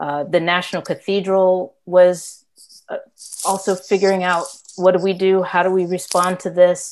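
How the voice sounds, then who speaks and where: A woman of medium pitch with an American accent, flat monotone delivery, moderate pace, and a quiet background. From Oklahoma (Tulsa). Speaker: priest. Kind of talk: interview.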